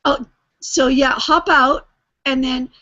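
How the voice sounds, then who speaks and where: A woman's voice: high-pitched, fairly even intonation, takes it slowly, bright, forceful tone, dry recording. A woman hosting a live video call, chatting breezily while she talks a guest through tech trouble. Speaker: show host. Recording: dull lo-fi call audio.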